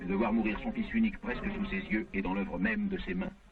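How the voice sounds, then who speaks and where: Over music in the background, the speaker talks at a fairly quick pace with very wide swings in pitch. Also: man. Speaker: documentary narrator. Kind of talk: newsreel documentary narration.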